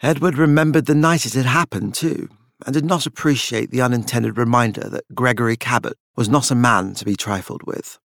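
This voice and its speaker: A man's voice: mid-range voice, a little fast, creaky, fairly bright tone, no echo, studio quality. A man reading literary fiction aloud as a scripted audiobook narration.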